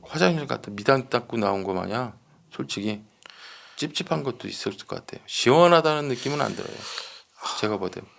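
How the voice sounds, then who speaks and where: A man's voice: medium pitch, animated, brisk, vocal fry, fairly bright tone. A man giving conversational true-crime commentary like a seasoned investigator, explaining emphatically, repeating points and seeking agreement.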